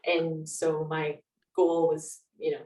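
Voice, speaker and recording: Being interviewed as an author, a lower-pitched woman with a Canadian accent talks in a reflective, conversational way, her tone warm but monotone and her pace slow. The room is echoey and she sits at a distance from the mic.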